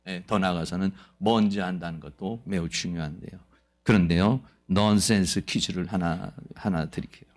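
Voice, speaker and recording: A man preaching a sermon as pastor of a church, lively and playful, acting out quoted voices. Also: fairly low pitch, creaky. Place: church sanctuary.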